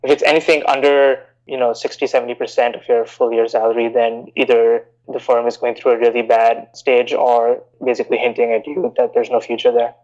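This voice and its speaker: A man in his thirties from India, raised in Bahrain, answering interview questions in a measured, explanatory way with frequent "you know" fillers. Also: mid-range voice, flat delivery, darkish tone, muffled recording. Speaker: guest, investment banker.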